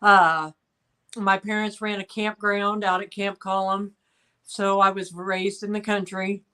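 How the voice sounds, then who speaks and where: A woman's voice: medium pitch, level tone, unhurried, bright, forceful tone, smooth. A woman from Indiana, a guest on an interview show, speaking plainly and matter-of-factly. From Frankfort, Indiana. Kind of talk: personal story in interview.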